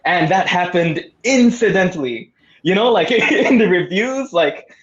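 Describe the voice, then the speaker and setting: Higher-voiced man on a dull lo-fi call. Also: animated, measured pace. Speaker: panelist, audio fiction creator. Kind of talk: casual panel discussion. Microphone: remote call.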